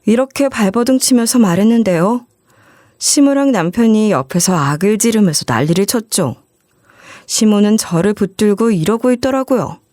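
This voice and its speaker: A woman's voice: mid-range voice, lively intonation, moderate pace, warm tone, no room sound, clean studio sound. A woman narrating a first-person story in a conversational, scripted way. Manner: conversational retelling.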